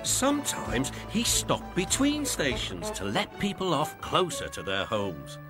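A man with a British accent narrating a children's storybook in a gentle, measured way. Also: fairly high pitch, wildly swooping pitch. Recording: music playing behind.

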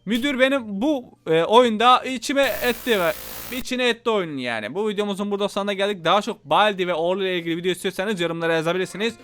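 A man giving casual, excitable let's-play commentary as a gaming YouTuber, panicking and talking to his viewers as friends. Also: high-pitched, fast.

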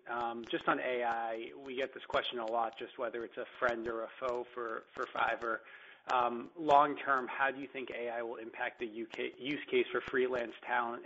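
A man's voice: mid-range voice, fairly bright tone. A male financial analyst asking prepared questions on an earnings call. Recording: muffled, noisy conference call line with clicks.

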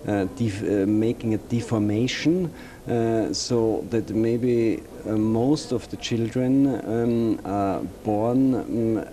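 A man asking interview questions slowly, pausing often with ums. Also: on the low side, mellow. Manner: slow, halting questions with many ums.

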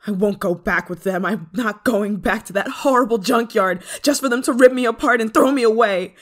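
A woman playing a clingy, desperate deviant android in love, in an intense, halting ASMR roleplay monologue. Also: a little high, natural voice. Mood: pleading, possessive. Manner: hesitant, halting, emotionally intense delivery.

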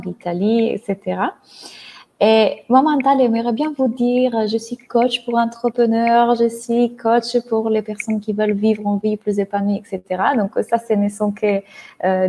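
A woman in her thirties from Italy, speaking French with an Italian accent, explaining ideas as a mindset coach on a video call, talking with lively hand gestures. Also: mid-range voice. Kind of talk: online talk, explaining to a live audience. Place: bright room at home, indoors. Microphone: earphone headset mic on a video call.

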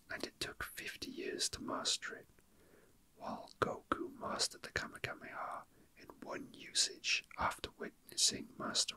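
A man hosts ASMR in a soft whisper with a very bright, airy edge. He rambles casually and hesitantly, as if thinking aloud to himself. The delivery is breathy and close-up throughout. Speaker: ASMR host.

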